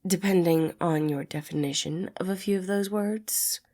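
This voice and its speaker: Woman as an aloof businessman, sarcastic, formal, measured, dry storybook dialogue, lowish female pitch. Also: warm tone. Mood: dry, guarded. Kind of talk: acted storybook dialogue in fan fiction reading.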